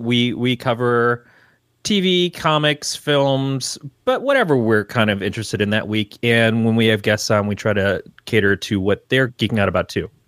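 With an unremarkable speaking voice, a man at medium pitch uses lively intonation while keeping his loudness very even. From Michigan, Detroit area. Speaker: podcast host guesting. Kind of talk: casual chat, storytelling.

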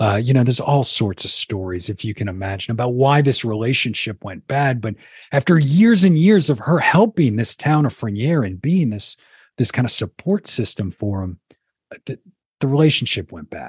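The somewhat breathy voice moves at a moderate pace with very wide pitch swings, the sound dry and close with no echo. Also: man, medium pitch for a man. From New Orleans. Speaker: podcast host and storyteller. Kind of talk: storytelling interview. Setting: video call.

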